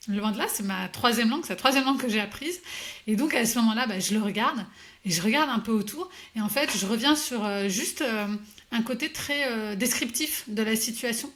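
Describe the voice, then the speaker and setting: A woman's voice: on the high side, brisk, a bit bright. Hesitant woman guest telling a story. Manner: hesitant, many fillers and restarts, reflective storytelling. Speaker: executive coach, podcast guest. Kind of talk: conversational interview answers.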